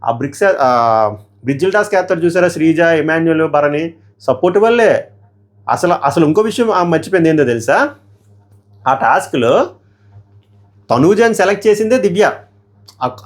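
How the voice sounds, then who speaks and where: A hoarse young man giving a heated, argumentative review of a reality show episode and putting questions to his viewers. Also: fairly high pitch, expressive, moderate pace, pauses often.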